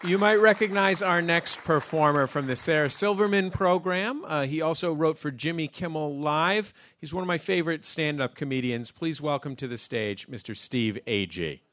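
A man hosting a radio show, reading scripted introductions with a smooth announcer delivery. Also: on the high side, normal speed, hardly any pauses, a bit bright, a faint crowd.

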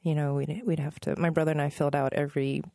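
Gravelly low-voiced woman, warm and relaxed. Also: quick pace, dry recording, clean studio sound. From Northern Virginia, USA. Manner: thoughtful, self-correcting, laughs softly. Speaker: musician guest. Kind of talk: relaxed interview conversation.

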